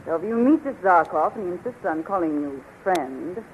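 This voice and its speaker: A woman's voice: on the low side, animated, moderate pace. A muffled, noisy 1930s radio recording of a scheming witch queen. She commands grandly, then coos seductively, in theatrical serial style. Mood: commanding.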